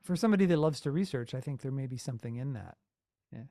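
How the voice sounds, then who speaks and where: A man hosting an interview, asking conversational questions in a slightly hesitant, pausing way. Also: medium pitch, animated, warm tone, dry recording, clean studio sound. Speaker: interview host.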